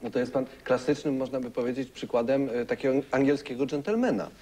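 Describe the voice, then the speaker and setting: A young man hosting a TV talk show, asking measured, somewhat hesitant questions in a studio. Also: medium pitch, steady tone, dark tone. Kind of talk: casual interview. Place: TV studio set.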